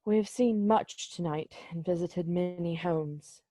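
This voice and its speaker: A woman's voice: fairly low pitch, unhurried, dark tone, no echo, faint music behind, natural voice. A woman playing a humbled, pleading old miser with an earnest, old-fashioned formal manner, in a storybook reading. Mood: reflective. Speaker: amateur reader, library staff. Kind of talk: dramatic reading of a classic story.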